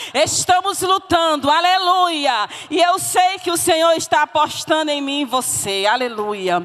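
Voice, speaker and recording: Over background music, a woman speaks very slowly, her pitch swinging very widely. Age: 60s. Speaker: preacher. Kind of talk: sermon. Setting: church.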